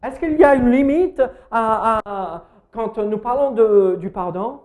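A man's voice: high-pitched, a little slow, darkish tone. A man with an American accent giving a sermon in a church hall. He hesitates a lot with fillers and puts questions to his listeners. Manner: hesitant, many fillers, asks the audience questions. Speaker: pastor.

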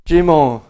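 High-voiced American man preaching. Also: dark tone. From United States. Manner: halting, many fillers and restarts, laughs at himself. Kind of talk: sermon.

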